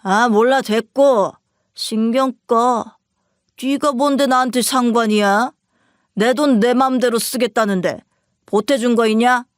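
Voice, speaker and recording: A woman voicing a drunk, arrogant husband who shouts and orders his wife around in a narrated story. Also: a little high, fairly even intonation, a little slow, no room sound, clean studio sound, lightly acted. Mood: drunk belligerent.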